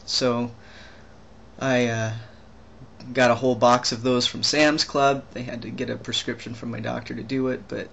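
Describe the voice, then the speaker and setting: A young trans man rambles through a personal video diary, stopping and restarting his sentences often. His pitch stays level and even, with little rise or fall. A faint steady hiss sits under the camera-mic recording. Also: gravelly. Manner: rambling, halting, many restarts and fillers. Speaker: vlogger.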